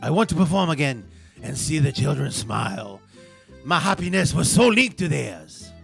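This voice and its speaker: A man's voice: fairly high pitch, big pitch swings, moderate pace, vocal fry, a bit bright, soft background music, pitched above the performer's own voice, exaggerated voice. A man voicing a heartbroken older French theater owner, reading a bitter letter in a put-on French accent. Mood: bitter, longing. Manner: dramatic, pleading letter reading.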